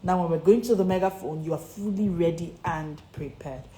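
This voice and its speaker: Speaking a little fast in a warm, fairly low voice, a woman with a Nigerian accent coaches online followers on confidence and public speaking. Her motivational delivery is emphatic and preacher-like, with key phrases repeated, in an echoey room with faint background noise.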